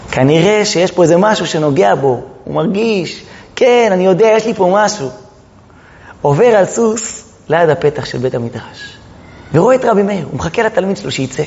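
A man's voice: high-pitched, animated, gravelly, darkish tone, slight background noise. A man teaching a Talmud lesson as a rabbi, retelling the story dramatically and firing rhetorical questions at his listeners. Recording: reverberant hall, dull lo-fi sound.

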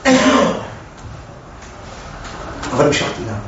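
A man teaching a classroom Torah lesson, animated, asking the class questions and acting out the dialogue. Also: fairly high pitch, a little hiss or hum. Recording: echoey room, distant mic, dull lo-fi sound.

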